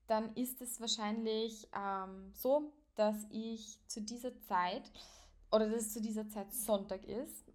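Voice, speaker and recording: A young woman with an Austrian accent talks alone as a podcast host. Her voice sits at an average pitch for a woman. She chats informally and without a script, mixing English expressions into her sentences. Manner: informal, sprinkles English phrases into her talk. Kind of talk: casual solo podcast chat, unscripted.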